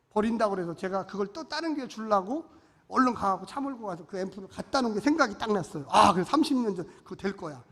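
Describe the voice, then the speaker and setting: Male pastor, sermon, animated storytelling, sharp bright tone, long church reverb. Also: high voice. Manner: animated storytelling, swinging between loud and hushed. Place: church sanctuary.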